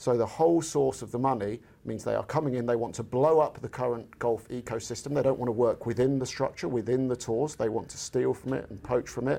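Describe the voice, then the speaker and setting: Talking at a fairly quick pace with hardly any pauses, a man with a British accent uses a medium pitch, a dark, mellow tone and fairly even intonation. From UK. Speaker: golf journalist and broadcaster. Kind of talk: casual chat. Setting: on location at a golf club.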